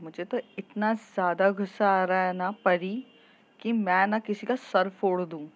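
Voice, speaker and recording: A woman's voice: medium pitch, fairly even intonation, a little slow, lightly acted. A woman voicing a spoiled, haughty rich young woman who rants brashly and dismissively. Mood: furious. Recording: dull lo-fi recording.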